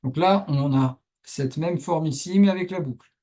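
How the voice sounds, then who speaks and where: A man's voice: on the high side, normal speed, dark tone. A male Arabic teacher patiently explaining a lesson step by step over on-screen writing, with frequent verbal check-ins to his students.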